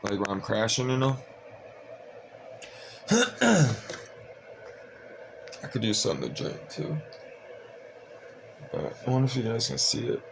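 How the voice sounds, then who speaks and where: A young man talking casually to his viewers at home, sleepy and monotone, rambling with lots of fillers. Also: mid-range voice, measured pace, gravelly, long pauses, background noise. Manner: monotone, meandering, frequent fillers. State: tired, sleepy. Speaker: vlogger.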